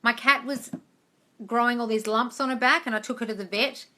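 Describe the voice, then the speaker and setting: Bright, higher-pitched chatty woman in her forties. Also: fairly even intonation, a little fast. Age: 40s. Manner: chatty, informal, calls listeners darling and guys. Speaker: manifestation coach hosting a live Q&A. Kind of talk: casual livestream chat answering viewer questions. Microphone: phone, close up.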